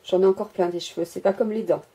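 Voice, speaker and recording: A woman rambles through a casual crafting show-and-tell, stopping often to hesitate and poke fun at herself. Her voice is very dark and mellow, with a husky, breathy edge. She is recorded through the built-in mic of the camera she holds at home. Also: medium pitch, steady tone, fast. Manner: rambling, self-mocking, many hesitations. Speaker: crafter showing her miniature workshop. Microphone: handheld camera mic.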